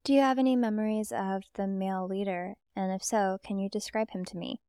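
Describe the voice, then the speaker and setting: A woman interviewing a guest, asking gentle, curious questions. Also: mid-range voice, fairly even intonation, a little fast, smooth, no echo, clean studio sound.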